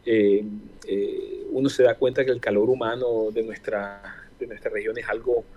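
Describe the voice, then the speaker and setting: A man in his forties with a Caribbean Spanish accent from Barranquilla, answering casually in an interview with hesitant, drawn-out pauses. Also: on the low side, little pitch movement, warm tone, faint music behind, poor audio. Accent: Colombian Caribbean Spanish (costeño, Barranquilla). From Barranquilla, Caribbean coast of Colombia. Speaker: interview guest, aviation engineer. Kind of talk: casual interview, personal reflection.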